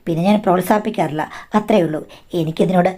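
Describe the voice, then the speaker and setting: A woman voicing a calm adult son-in-law who talks gently and reassuringly. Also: fairly low pitch, fast, close to an everyday voice.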